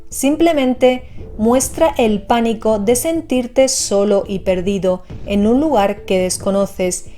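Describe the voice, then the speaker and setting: Female narrator, mellow tone, mid pitch, measured scripted horror storytelling over music. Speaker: narrator of a horror explainer channel. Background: background music.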